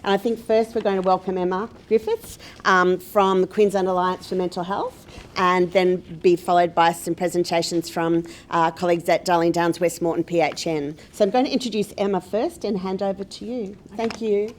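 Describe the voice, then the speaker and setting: A woman's voice: fairly low pitch, little pitch movement, normal speed. An Australian woman presenting at an event, introducing speakers in a semi-formal, loosely scripted and somewhat hesitant way.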